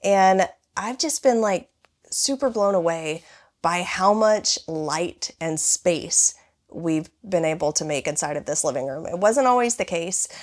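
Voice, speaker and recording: A woman in her thirties with a hoarse, raspy voice from bronchitis, chatting casually as she tours her small living room. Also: fairly low pitch, animated, unhurried. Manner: chatty, rambling with many "like" fillers. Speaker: home vlogger. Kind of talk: casual home tour vlog.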